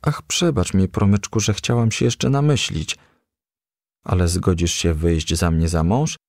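A man voicing a shy young female firefly who speaks in a halting, bashful way in a storybook. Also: low-pitched, a little mellow, no echo, studio quality. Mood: tearful, pleading.

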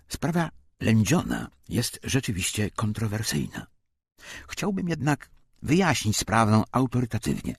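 A man reading a scripted documentary memoir as an audiobook narrator, with measured, formal and dramatic delivery. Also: lowish voice, husky, no echo, studio quality.

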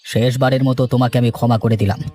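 Man acting a stern village gentleman, quick-talking. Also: mid-range voice, little pitch movement, soft background music, lightly acted. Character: stern, righteous village gentleman judging disputes. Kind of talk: Bengali moral cartoon dubbing.

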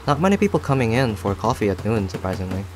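A man playing a friendly, talkative cafe owner in a roleplay audio, speaking to the listener in a chatty, rambling, gently attentive way. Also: on the low side, very animated, quick pace. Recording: soft music and rain behind. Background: music and rain sounds.

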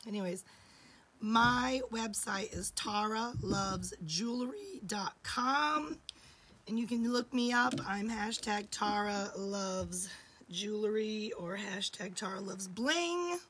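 A woman in her forties hosting a live jewelry sale from a home studio, hoarse from losing her voice and often dropping to a whisper, chatty and affectionate. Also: medium pitch, slow, a bit bright, slight background noise. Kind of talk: live-stream sales chat.

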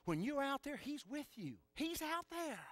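A man's voice: very high-pitched, very animated, measured pace, fairly bright tone, no echo, pitched above the performer's own voice, exaggerated voice. A man voicing a Christian mother who reassures her frightened son. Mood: coaxing. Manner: coaxing, reassuring.

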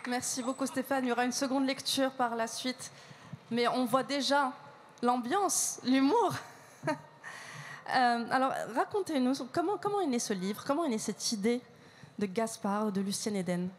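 A woman moderates a talk, thanking the guest and asking polite questions in a fairly high voice. Faint noise sits behind her. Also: moderate pace. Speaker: event moderator.

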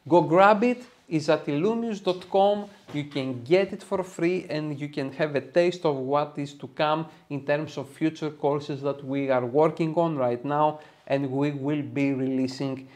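Recording in a small home-studio room, the thirty-something host from Greece delivers an upbeat, step-by-step photo editing lesson in accented English. The voice leans high with a touch of mellowness.

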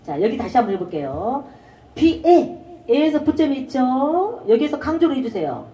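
A woman's voice: high-pitched, sing-song, a little fast. Woman, singing teacher, trot lesson, sings demo phrases, echoey, distant mic. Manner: demonstrates lines by singing, belts short shouts.

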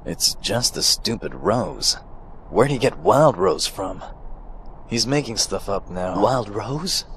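A man's voice: lowish voice, expressive, slow pace, creaky, a bit bright, a little hiss or hum, heavily acted. A man playing a terse, aloof young male mercenary in a fan dub, dry and muttering. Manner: curt, dry, muttering asides. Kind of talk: fan dub of a game scene.

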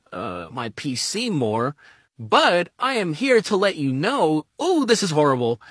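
A man's voice: on the high side, fairly bright tone, dry recording, studio quality. A man chatting casually as a comic artist while drawing, rambling and self-deprecating.

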